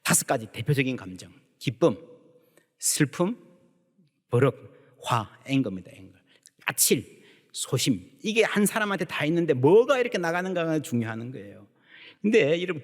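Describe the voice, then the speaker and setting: A man preaches from the pulpit with a lively, swooping delivery, his voice sitting a little high for a man. He slips into little acted voices for the people he quotes. The sound rolls through a church sanctuary with a long reverb behind each phrase. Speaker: pastor. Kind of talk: sermon.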